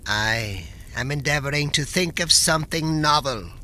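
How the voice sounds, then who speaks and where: A man voicing a bewildered, tipsy court jester who speaks quietly and abstractedly, in a storybook reading. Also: on the high side, expressive, moderate pace. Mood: dazed.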